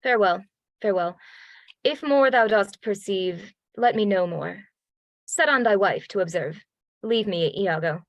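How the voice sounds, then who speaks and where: A woman's voice: mid-range voice, a little slow, no echo, close to an everyday voice. Woman reading an earnest, proud, jealous general. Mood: brooding. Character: proud male general, middle-aged, gnawed by jealous doubt. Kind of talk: Shakespeare read-along.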